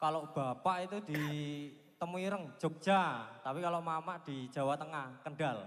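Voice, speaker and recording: Music plays behind a man with a strong Javanese accent. His fairly high voice moves at a fairly slow pace with ordinary pitch variation. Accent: thick Javanese. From South Kalimantan, Indonesia. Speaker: audience member. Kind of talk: casual chat.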